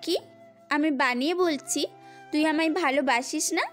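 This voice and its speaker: A woman's voice: sits high, measured pace, fairly bright tone. A woman playing a petulant, girlish young woman in love, the willful little sister in an audio story. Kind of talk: Bengali audio story voice acting. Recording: music under the voice.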